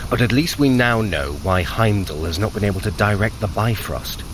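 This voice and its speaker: A man as a low-voiced, sardonic trickster god. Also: expressive, normal speed, noisy background, lightly acted. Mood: brooding, explanatory. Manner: articulate, dry, condescending. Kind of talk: audio drama acting, formal archaic speech.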